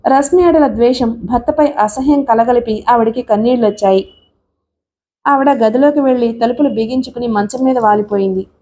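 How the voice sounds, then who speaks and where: Brief: woman audiobook narrator, fairly high, mellow voice, steady delivery. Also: a little hiss or hum. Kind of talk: scripted story narration.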